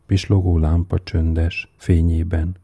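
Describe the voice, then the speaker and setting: A man reading a story aloud in a slow, measured, suspenseful way. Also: sits low, little pitch movement, vocal fry, warm tone, breathy edge. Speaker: narrator. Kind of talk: audiobook reading.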